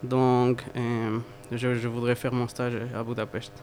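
Halting young man, flat pitch. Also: slight background noise. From Mexico. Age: 20s. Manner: halting, repeats words while searching. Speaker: student guest. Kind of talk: casual interview answers.

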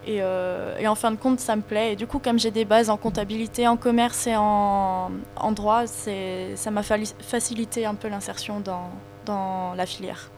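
A woman's voice: medium pitch, steady tone, moderate pace, hardly any pauses, a little mellow, faint music behind. A woman in her twenties talking casually as a student panelist in a discussion. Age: 20s.

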